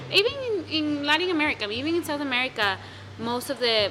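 Someone with a Spanish accent talks at a fairly quick pace over music in the background. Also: woman. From Ecuador. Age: 20s. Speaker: actor and playwright. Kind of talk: interview.

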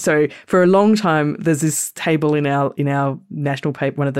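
In a very clean recording with a silent background, a woman with an Australian accent and a very deep, low pitch speaks at a moderate pace. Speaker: travel podcast host. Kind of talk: casual chat.

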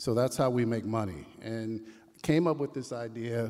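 A man speaks at a fairly quick pace with an American accent, in a normal speaking voice at a medium pitch. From US South.

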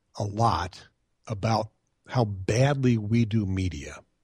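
A man with a medium-pitched, somewhat breathy voice speaks with an American accent. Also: quiet background. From US Midwest, Chicago. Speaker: amateur radio video podcaster. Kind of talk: interview. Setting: remote call-in to live show.

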